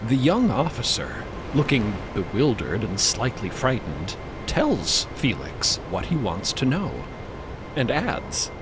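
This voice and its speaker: A man narrating a fantasy audio drama in a deliberate, portentous, scripted style. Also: medium pitch, sing-song, noisy background.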